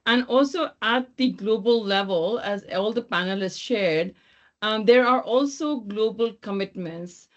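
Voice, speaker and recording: A woman from Thailand speaking off the cuff as a webinar panelist, haltingly, often rephrasing and circling back. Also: mid-range voice. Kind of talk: extemporaneous panel remarks. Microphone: video call. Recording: dull lo-fi video call.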